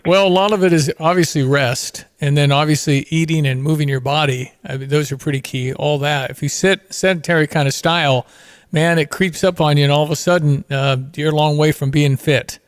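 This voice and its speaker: A man with a notably high-pitched voice hosts a radio morning show. He talks casually and conversationally, with a folksy manner as he chats with a guest. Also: fairly even intonation, fairly quick, smooth. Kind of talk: live radio interview, casual chat.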